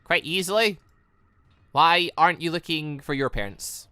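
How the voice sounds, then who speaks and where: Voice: medium pitch, normal speed, pushed and bright, clear, resonant tone, no room sound, natural voice. Sly, teasing older woman acted by a gamer. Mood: sly, dismissive. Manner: smug, playful needling.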